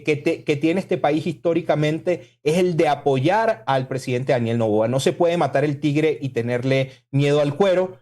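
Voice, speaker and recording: A man from Venezuela, a political spokesman, speaking forcefully and combatively as a guest in a radio interview. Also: a little high. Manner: forceful, combative political talk with emphatic lists.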